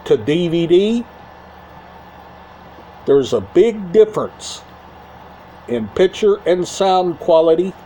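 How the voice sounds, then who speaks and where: A man with a high, mellow voice speaks very slowly to his viewers as a casual video host. He breaks his sentences into short, halting phrases and tends to repeat them. The delivery is soft-edged and unhurried throughout. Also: a little hiss or hum. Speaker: YouTube channel host. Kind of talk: casual talk to camera about a media collection.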